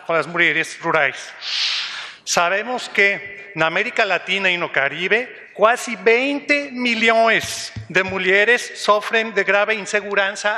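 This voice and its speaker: A man's voice: high-pitched, pushed and bright. Man reading a speech in a hall. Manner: measured reading with some restarts. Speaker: UN agency representative. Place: large hall. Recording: distant mic in a reverberant hall.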